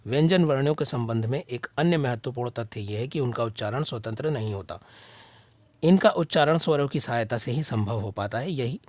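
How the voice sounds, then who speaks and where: A man reading out answers for students at a steady, dictation-like pace, pausing after each listed word. His pitch sits in an ordinary middle range. The recording is dry and close, with no room sound. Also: no echo. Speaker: tutor reading out assignment answers. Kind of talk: slow read-aloud of study answers.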